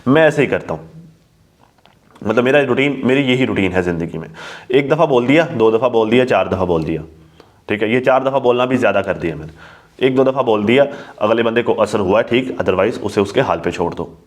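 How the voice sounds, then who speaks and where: A man's voice: lowish voice, lively intonation, a little fast. A man talking casually to his viewers, lecturing and often repeating "okay" to drive his point home. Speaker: vlogger.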